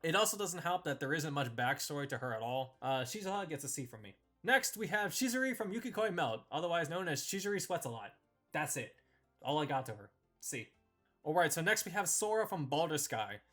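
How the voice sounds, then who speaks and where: Male video host for scripted ranking commentary, higher-pitched voice, very animated intonation. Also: fairly quick, faint music behind. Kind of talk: scripted commentary ranking characters in a tier list.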